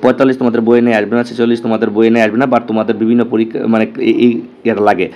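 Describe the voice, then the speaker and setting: A man teaching an exam-prep lesson, quickly going through answers, repeating them and checking with his students. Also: medium pitch, level tone, darkish tone.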